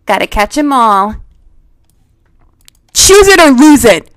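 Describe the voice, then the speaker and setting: Lady voicing a spunky anime kid hero, high bouncy voice, kinda slow, eager. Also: big pitch swings, no echo. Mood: excited. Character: eager spirited boy hero, about ten. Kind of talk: cartoon voice impression demo.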